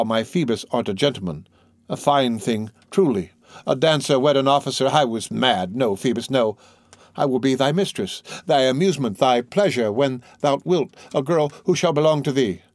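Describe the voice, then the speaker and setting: A man's voice: medium pitch, no echo, natural voice. A man voicing a passionate young gypsy girl in an audiobook, imploring and devoted in archaic words.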